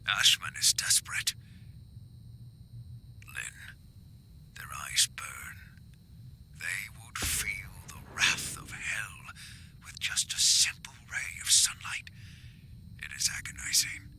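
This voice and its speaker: A sinister, manipulative professor in a horror game. He coaxes in a slow, hushed whisper. His pitch moves a lot from line to line. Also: expressive, full character voice, poor audio. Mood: coaxing. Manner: soft, coaxing whisper.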